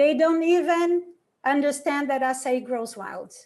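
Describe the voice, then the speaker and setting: With a Brazilian Portuguese accent, a woman talks at a very slow pace with ordinary pitch variation. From Brazil, São Paulo. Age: 50s. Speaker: entrepreneur. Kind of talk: webinar presentation. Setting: conference call. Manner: halting.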